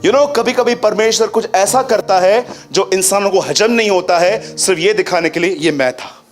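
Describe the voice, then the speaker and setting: A man preaching a sermon as pastor. He keeps asking the congregation rhetorical questions, mixes English phrases into his speech and swings between a raised voice and a low one. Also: normal speed, faint music behind.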